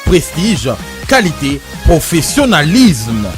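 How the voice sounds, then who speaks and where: A man chanting and singing an advertising jingle in a lively, hyped-up way. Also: on the high side, takes it slowly. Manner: lively, chanted sing-song hype. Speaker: jingle singer. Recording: jingle mixed over hip hop beat. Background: hip hop music.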